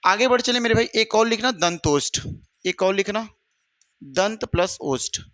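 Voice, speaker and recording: High, bright-voiced male teacher. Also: animated, a little slow, no room sound. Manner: drills students with questions and answers; addresses students as "my brother". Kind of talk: exam-prep grammar lesson.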